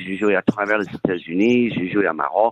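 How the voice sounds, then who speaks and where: The speech moves at a moderate pace with ordinary pitch variation against noticeable background noise. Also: man. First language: English (speaking French). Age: 50s. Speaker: amateur golfer, listener. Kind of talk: casual chat.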